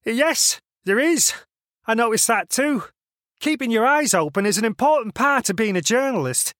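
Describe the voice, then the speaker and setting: Guy putting on a high, bouncy voice for a gangly eager young man, all cheer and fussy manners. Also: lively intonation, normal speed, fairly bright tone, no room sound, studio quality. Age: young adult. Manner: cheerful, eager, fussily polite.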